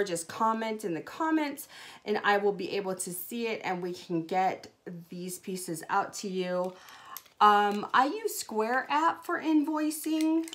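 A woman's voice: mid-range voice, fairly bright tone. A woman in her thirties from Hawaii, chatting through a live jewelry sales show with many ums, recorded on a phone in a small indoor room. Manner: chatty, many ums, upbeat product talk. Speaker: jewelry seller.

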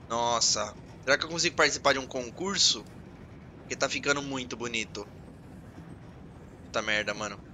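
Brief: a Brazilian man hosting a gaming channel, excitable and jokey, with a very bright, lively voice that swings all over. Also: medium pitch, slight background noise. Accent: Brazilian Portuguese. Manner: excitable, joking, swears, talks to himself. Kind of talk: casual let's-play commentary.

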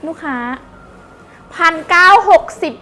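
A woman selling on a live stream with fast, excitable hype, gushing and repeating prices while chatting to customers. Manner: chatty, addresses viewers with polite endearments. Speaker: live-stream seller of wholesale second-hand clothing.

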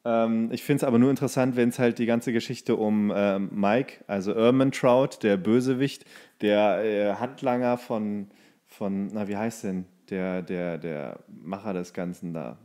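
A man's voice: lowish voice, measured pace, mellow. A man co-hosting a podcast, chatting casually and jokingly in a loose, colloquial, teasing way. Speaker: podcast co-host. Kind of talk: casual joking chat about TV series.

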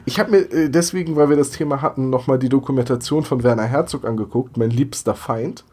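Leicht erkälteter, heiserer Podcast-Co-Host. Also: male voice, mid-range voice, fast talker, darkish tone, breathy edge. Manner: chatty, laughs, imitates voices. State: slightly congested from a cold. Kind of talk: casual podcast chat.

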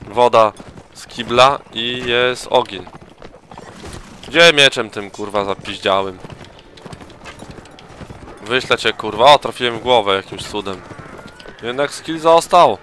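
A man's voice: medium pitch, slow, pauses often, sharp tone, slight background noise. A tired man giving crude casual gaming commentary, swearing heavily and throwing in mock battle cries. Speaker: let's play gamer.

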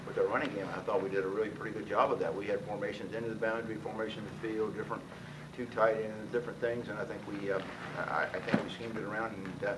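Fast-talking man in his sixties, head coach. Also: fairly low pitch, fairly even intonation. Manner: rapid, full of restarts and repeated words. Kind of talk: post-game press conference. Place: press room with sponsor backdrop. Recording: distant mic, noisy press room.

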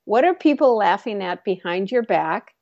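A woman comedy coach and author, joking her way through an interview and slipping into quick comic voices. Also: mid-range voice, lively intonation, creaky, a little mellow, dry recording, muffled recording. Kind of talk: animated interview guest.

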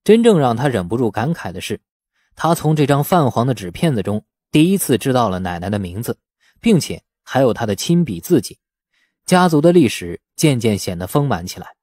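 A man narrating a novel as an audiobook, telling the story in an expressive, dramatic scripted style. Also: mid-range voice, a little fast, dry recording, clean studio sound.

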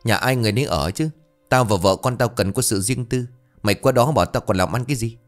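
A man voicing a blunt village friend who scolds and mocks quickly in a told ghost story. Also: mid-range voice, soft background music, close to an everyday voice. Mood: scolding.

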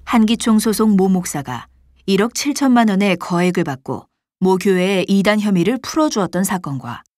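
A woman reading scripted documentary narration in a formal, measured manner. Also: mid-range voice, darkish tone, no echo, clean studio sound, natural voice.

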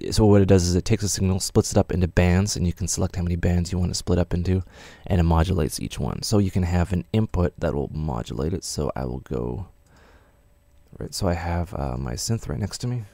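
Low, gravelly man teaching casually. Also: normal speed, mellow, dry recording. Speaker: music production tutor. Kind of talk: casual software tutorial narration.

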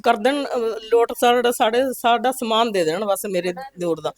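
A woman's voice: a little high, moderate pace. An older woman, tearful and pleading as she answers a reporter. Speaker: interviewee, mother.

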